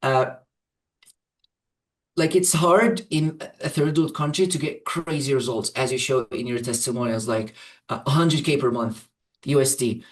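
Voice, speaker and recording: A man's voice: medium pitch, unhurried, distant mic. A man who grew up in Saudi Arabia and whose first language is Arabic, answering interview questions hesitantly, with many fillers and restarts. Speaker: program client, English teacher.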